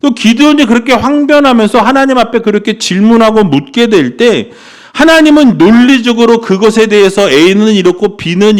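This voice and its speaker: A male pastor preaching a sermon, rising to impassioned pleas and dropping low for scripture readings.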